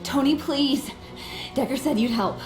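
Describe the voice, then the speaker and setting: Casting: young fugitive, pleading, higher voice, echoey game audio over music. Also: female voice, takes it slowly. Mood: anxious. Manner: pleading, anxious. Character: young woman on the run, pleading.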